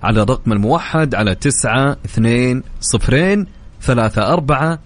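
A man's voice: mid-range voice, expressive, a little fast. A man with a Saudi accent co-hosting live radio, talking through sponsor reads in a presenter's style. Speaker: radio show co-host. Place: radio studio.

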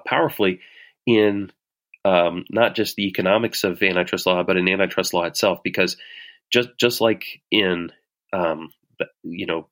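A middle-aged man, an author being interviewed, explaining ideas in a hesitant, thoughtful way with many pauses and restarts. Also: low-pitched, fairly bright tone. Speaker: author and guest. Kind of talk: casual spoken explanation.

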